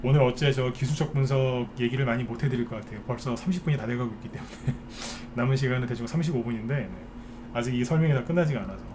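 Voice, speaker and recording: A man's voice: mid-range voice, quick pace, noisy background. A man giving a live stock market lecture, ranting bluntly and firing rhetorical questions at his viewers.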